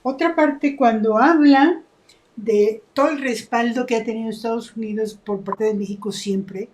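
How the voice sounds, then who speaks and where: A woman, co-hosting a political talk show in a dry, measured way. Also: fairly high pitch, darkish tone, a little hiss or hum. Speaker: co-host. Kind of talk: political chat.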